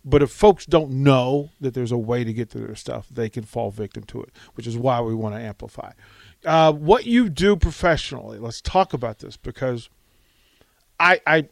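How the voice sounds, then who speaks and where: A man's voice: medium pitch, vocal fry, no room sound. A man hosting an interview, affirming and encouraging his guest. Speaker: podcast host. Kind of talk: interview conversation.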